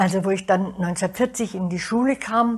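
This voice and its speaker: A woman's somewhat breathy voice moves with ordinary pitch variation. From Potsdam area, Germany. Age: 80s+. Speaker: war witness. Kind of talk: testimony. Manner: hesitant.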